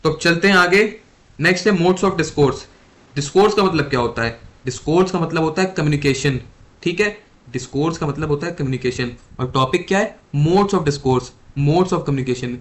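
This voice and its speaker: A young man giving an exam lesson, mixing Hindi and English, who slows down to repeat key definitions and keeps quizzing his listeners. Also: on the high side, a bit bright. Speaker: exam tutor.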